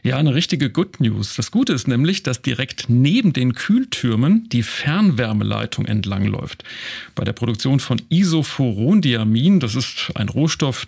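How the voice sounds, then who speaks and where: A man's voice: mid-range voice, creaky, slightly rough. A man co-hosting a company news show, explaining stories in an upbeat, conversational way. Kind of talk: casual scripted news chat.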